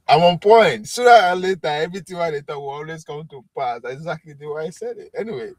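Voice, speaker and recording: A man's voice: a little high, normal speed, darkish tone, no room sound. A man with a Nigerian accent hosting a live stream, chatting with commenters in a rambling, self-assured way with many fillers. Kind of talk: casual chat with chat commenters.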